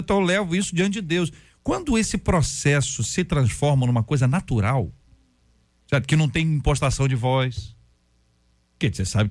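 A man, a pastor, talking about prayer in a relaxed, conversational way and acting out stories and prayers. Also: a little high, no echo. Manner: storytelling, acts out prayers and quotes. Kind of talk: conversational faith talk.

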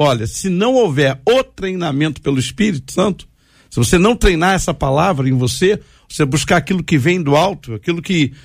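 A man with a gravelly, slightly raised voice explains a point step by step, going back to the original text. The sound is dry and close, with no room echo. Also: a little high. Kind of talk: explanatory discussion.

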